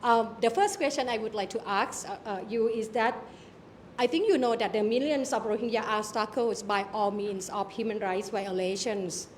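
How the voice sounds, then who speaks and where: A woman moderates a live question-and-answer session at an event, friendly and a little nervous, padding her questions with fillers. Her voice sits somewhat high. A faint low rumble runs under the recording. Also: normal speed. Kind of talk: hosting a public Q&A. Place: event venue.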